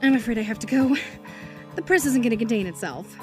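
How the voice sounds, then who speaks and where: Woman doing a flustered chatty aide, kinda high voice, rambles and says sorry a lot. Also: animated, a little fast, over music, natural voice. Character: harried female political aide, chatty and evasive. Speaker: senator's deputy. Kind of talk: audio drama acting.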